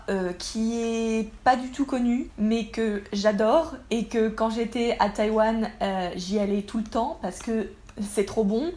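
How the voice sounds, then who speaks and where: A woman's voice: on the high side, a little mellow. A young woman narrating a casual travel vlog, chatty and enthusiastic as she gushes about food. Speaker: travel vlogger.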